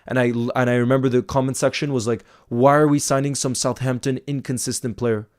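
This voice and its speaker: A man's voice: medium pitch, flat delivery, brisk. A man with an American accent, of half French and half Icelandic origin, hosting a casual football livestream, reading viewer comments and repeating words for emphasis.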